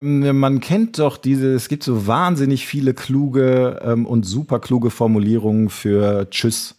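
A man's voice: medium pitch, unhurried, a little mellow. A man co-hosting a podcast in casual chat, rambling and correcting himself as he talks. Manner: rambling, self-correcting, hesitant. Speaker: podcast co-host.

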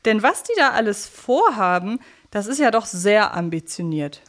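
A woman's voice: mid-range voice, sing-song, moderate pace. A female podcast host with a mid-range voice, chatting casually about audio drama. Her manner is wry and amused.

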